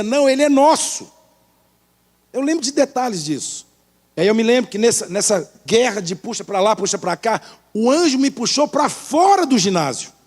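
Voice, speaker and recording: A man preaching a sermon at a church service, telling a personal story and switching between loud emphasis and quiet asides. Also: very high voice. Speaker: bishop preaching.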